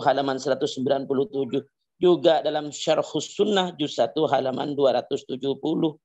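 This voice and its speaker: Guy w explaining hadith, slightly high voice, goes thru long source lists, kinda muffled lo-fi audio. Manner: cites hadith sources at length, recites Arabic. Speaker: Islamic teacher. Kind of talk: religious explanation to a guest. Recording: dull lo-fi sound.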